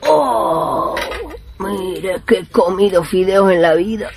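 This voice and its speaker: A woman's voice: medium pitch, takes it slowly, creaky, a little mellow, a little hiss or hum. A woman playing a bossy, tender old village healer with an Argentine accent and a folksy, scolding way of talking, in a radio drama. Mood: gushing. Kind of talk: Spanish-language radio drama acting.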